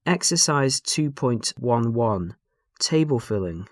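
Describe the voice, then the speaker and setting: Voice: mid-range voice, dry recording, clean studio sound. An announcer reading exercise numbers in a lesson recording. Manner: slow, flat announcing. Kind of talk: scripted announcement.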